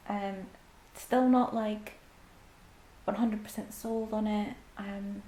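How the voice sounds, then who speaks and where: A woman's voice: mid-range voice, fairly even intonation, slow, dark tone. Chatty Scottish woman in an echoey room. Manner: chatty, frequent ums, drops to near-whispers at times. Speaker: book vlogger. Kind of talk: casual reading vlog. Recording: echoey room with faint background hiss.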